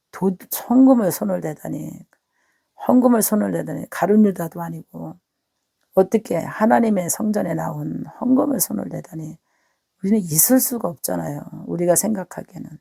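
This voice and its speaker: A middle-aged woman pastor, hoarse from a cold, giving an earnest spoken testimony straight to her listeners. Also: fairly low pitch, warm tone, no room sound. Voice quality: husky, gravelly. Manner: earnest, repeats words, talks to listeners directly. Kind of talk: spoken testimony to online viewers.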